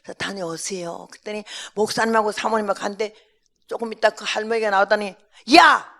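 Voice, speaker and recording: An older woman missionary giving a testimony sermon, telling her story in a lively way and acting out the dialogue. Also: mid-range voice, fast.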